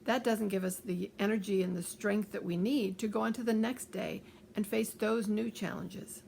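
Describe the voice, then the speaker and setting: Older woman with a gravelly voice. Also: medium pitch, fairly even intonation, normal speed, a little hiss or hum. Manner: gentle, repeats reassuring phrases. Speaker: author giving coping advice. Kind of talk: calm advice talk to camera.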